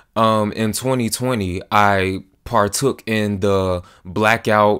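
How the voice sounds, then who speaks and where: A man speaks in a plain, everyday voice at a fairly low pitch, with fairly even intonation. The recording is very clean, with a silent background. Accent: American. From US South, Alabama. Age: 20s. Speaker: political commentator. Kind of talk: personal testimony vlog.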